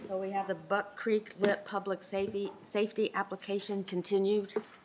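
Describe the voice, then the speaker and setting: A woman at medium pitch speaks at a moderate pace in a flat, monotone way, with noticeable noise behind her. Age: 70s. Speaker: county council president. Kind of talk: public meeting. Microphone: audio issues in recording.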